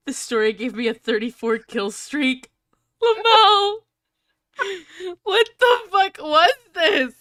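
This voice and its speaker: A woman reacts casually and with open disbelief on a stream. Her voice is very high and sharp, and she draws her words out. The sound is dry. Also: expressive, takes it slowly, long pauses, dry recording. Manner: incredulous, exclamatory.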